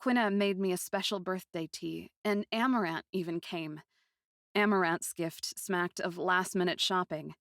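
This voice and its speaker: A woman's voice: lowish voice, moderate pace, creaky, a bit bright, no echo, studio quality. A woman playing a grieving, passionate young captive princess who tells her own story in an intense, emotive, dramatic first-person style.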